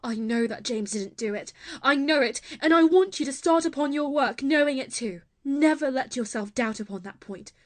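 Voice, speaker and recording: A man voicing an earnest young woman who pleads insistently, in a high falsetto. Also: moderate pace, few pauses. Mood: pleading.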